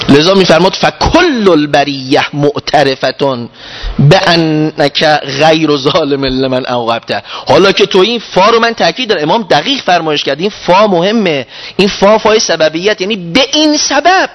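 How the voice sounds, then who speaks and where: A man teaching a class on a prayer text, reciting verses slowly and asking his listeners questions. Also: high-pitched, expressive, a bit bright. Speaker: religious teacher. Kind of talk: lecture explaining a prayer text.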